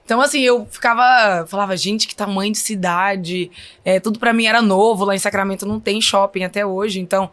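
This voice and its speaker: A woman's voice: medium pitch, steady tone, brisk, a bit bright. A woman in her thirties with a Minas Gerais accent, telling stories as a guest in a podcast interview. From Brazil. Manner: chatty, often says "então, assim". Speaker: guest volleyball player. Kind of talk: casual interview storytelling.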